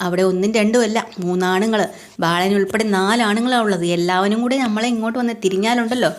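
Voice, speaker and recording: A woman's voice: medium pitch, fairly even intonation, fast talker, natural voice. Woman voicing a nervous, fearful man. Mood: worried. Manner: worried and doubting. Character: nervous, fearful middle-aged man, a petty thief.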